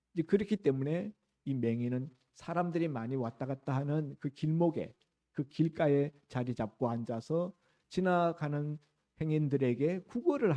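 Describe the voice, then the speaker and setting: A middle-aged man, a pastor, preaching a sermon in an animated storytelling way, raising his voice for the cries in the text. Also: mid-range voice.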